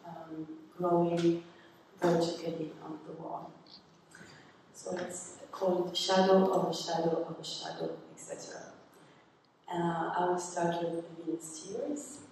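A woman from Tunisia, an artist explaining her work in a measured way on a gallery panel into a handheld mic. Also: on the low side, warm tone, a little hiss or hum. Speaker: exhibiting artist. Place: large museum gallery, indoors. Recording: echoey gallery, distant mic.

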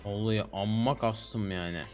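A man in his twenties streaming a game, chatting casually and excitably with slangy, teasing banter. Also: fairly low pitch, moderate pace, faint music behind. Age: 20s. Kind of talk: casual gaming commentary with a teammate. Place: small home streaming room, indoors.

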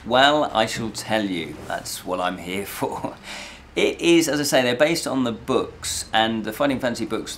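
A man in his forties hosting a review show, talking to camera in an animated, emphatic, conversational way. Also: fairly low pitch, vocal fry, slight background noise. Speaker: host of a fantasy review show. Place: small indoor room with fabric backdrop.

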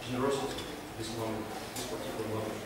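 A man's voice: fairly low pitch, fairly even intonation, fast. A young man from Kazakhstan giving a prepared speech to a club audience in a small meeting room, earnest and hesitant with many fillers. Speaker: club speaker. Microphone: far camera, no mic. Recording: echoey room from far off, noisy.

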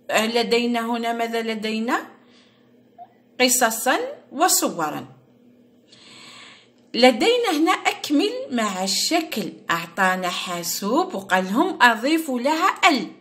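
A woman teacher with an Algerian Arabic accent, patiently explaining an exam to young pupils and repeating each word slowly for them. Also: fairly high pitch, a bit bright. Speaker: primary school teacher. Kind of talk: lesson explaining a first-grade exam. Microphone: recorded at her device, screen-share style.

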